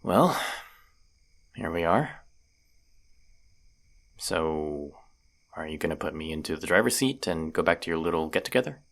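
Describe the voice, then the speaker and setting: A man's voice: sits low, animated, a little slow, vocal fry, pauses often, fairly bright tone, full character voice. A man playing a stubborn, injured vampire hunter in an audio drama, grumbling sarcastic banter. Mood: grudging, exasperated. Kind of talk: scripted roleplay audio drama.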